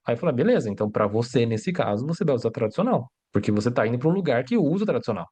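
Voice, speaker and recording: Man, mid-pitched, casual livestream lesson, reads out viewer questions, chatty and reassuring. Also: sing-song, rapid-fire, dark tone, slightly rough. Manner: chatty, asks "né?" and "tá?" constantly. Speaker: Mandarin teacher. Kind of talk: casual live-stream lesson.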